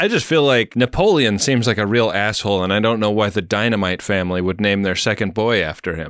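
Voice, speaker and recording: On a very clean recording with a silent background, a man with an unremarkable speaking voice and fairly low pitch talks at a fairly quick pace with ordinary pitch variation and hardly any pauses. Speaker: podcast co-host. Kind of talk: casual chat.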